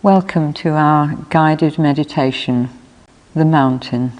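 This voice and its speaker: A woman minister leading a guided meditation in measured, unhurried phrases with long pauses. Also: sits low, darkish tone. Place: church. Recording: long reverb of a church hall.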